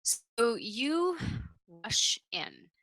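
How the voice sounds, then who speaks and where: A woman's voice: a little high, sing-song, drawn-out words, sharp tone, no room sound. A woman narrating a tabletop game as game master, describing the action vividly with casual fillers.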